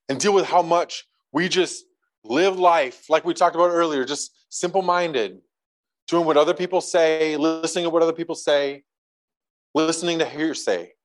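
A man's voice: a little high, a little slow, low-quality recording. A man preaching a casual, conversational sermon to a congregation, reading scripture aloud and adding light jokes. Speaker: pastor.

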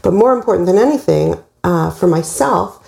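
A woman in her mid-fifties, a nutritionist, speaking on a panel in a measured, thoughtful way. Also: on the low side, animated, creaky, dark tone, roomy sound. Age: 50s. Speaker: holistic nutritionist. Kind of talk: panel discussion.

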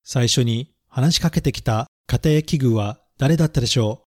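A man reading a children's story and teaching English words, speaking clearly and carefully and spelling words out letter by letter. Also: mid-range voice, moderate pace, a little mellow, slight background noise. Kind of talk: bilingual children's lesson narration.

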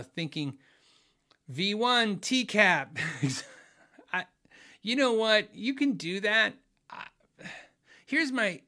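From his home office, a middle-aged man hosts a casual livestream, reading out viewer messages while rambling, restarting often and using many fillers. His voice is high, bright and forceful.

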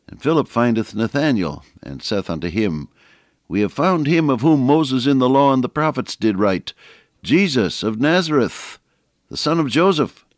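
Radio preacher, man, very low voice, a little gravelly, dry studio sound. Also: no echo. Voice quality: slightly gravelly. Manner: reads scripture aloud with rising emphasis, folksy asides. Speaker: radio Bible teacher. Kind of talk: radio sermon, reading and expounding scripture.

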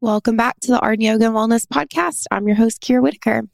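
A woman hosting her own podcast in a chatty, earnest way, a little raspy and congested from a head cold, often restarting her sentences. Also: fairly high pitch, quick pace, slight background noise. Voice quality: slightly raspy. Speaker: podcast host. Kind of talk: casual solo podcast talk.

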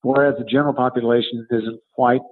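In a phone-quality recording, a man in his seventies, a coach and author, answers interview questions conversationally. His medium-pitched voice is flat, and he explains haltingly, repeating words as he thinks.

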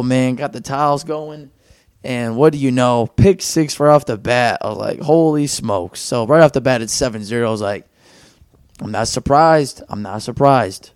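Male podcast host, hoarse and worn, excitable fan rambling, dry close mic. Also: a little high, no echo. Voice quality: raspy. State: tired, foggy. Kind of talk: casual sports recap podcast.

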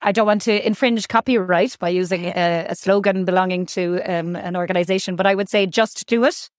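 A woman's voice: mid-range voice, fairly even intonation, fairly quick, no echo, clean studio sound. A woman doctor, answering interview questions thoughtfully and often repeating words as she thinks. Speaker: guest doctor.

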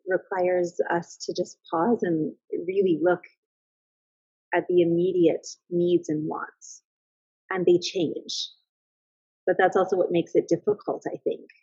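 Very husky, gravelly-voiced woman. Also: fairly low pitch, warm tone, no room sound. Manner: thoughtful and earnest, with frequent restarts. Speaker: podcast guest, mother and business owner. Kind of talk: casual reflective interview talk. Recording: slightly dull, lo-fi sound.

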